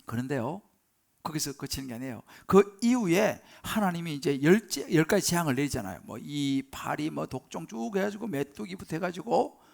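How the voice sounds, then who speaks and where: A man's voice: on the high side, very animated, moderate pace, gravelly, a little mellow. A middle-aged male pastor preaching a sermon, telling the story with animation and acting out the quoted lines. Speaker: senior pastor.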